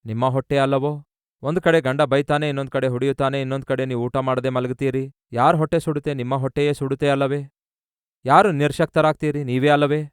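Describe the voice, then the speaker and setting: A man's voice: mid-range voice, level tone, fast talker, clear, resonant tone, no echo, clean studio sound. A male pastor preaching earnestly, pleading with his listeners and pressing them with rhetorical questions. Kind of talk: sermon.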